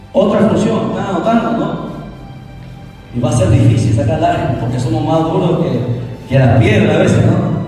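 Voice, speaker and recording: A man's voice: a little high, mellow. A man pastor preaching a sermon, asking the congregation questions and answering them himself, recorded from a distance in a church hall. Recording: echoey hall recorded from far off.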